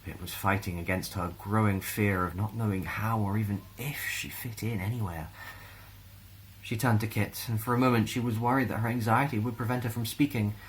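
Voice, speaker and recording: A man with a Scottish accent reading a children's fantasy story aloud in a gentle, expressive way. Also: on the low side, brisk, rough recording. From Scotland.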